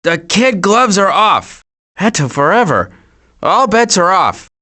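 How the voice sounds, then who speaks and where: A wisecracking cartoon animal for a video game. He is cocky and glib, with lively, swinging intonation and a breezy way with a quip. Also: high voice, slow, full character voice. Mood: playful.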